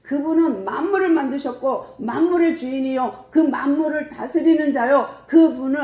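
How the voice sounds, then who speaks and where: A woman putting on a fervent male apostle, preaching boldly to a crowd in a raised, mellow voice. The sound rings around an echoey church room. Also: high-pitched, normal speed, pitched above the performer's own voice, natural voice. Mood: proclaiming. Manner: bold proclaiming preacher.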